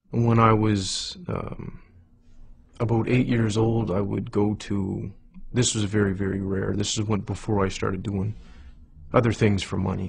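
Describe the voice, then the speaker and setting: Audible room echo surrounds a man with a Canadian accent who speaks fairly slowly at a fairly low pitch, his intonation monotone and flat. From Nova Scotia, Canada. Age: 20s. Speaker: interviewee. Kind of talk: testimony.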